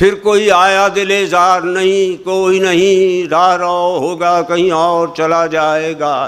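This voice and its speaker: A man's high-pitched, flat monotone amid noticeable background noise. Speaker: actor, broadcaster and poetry reader. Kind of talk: poetry reading.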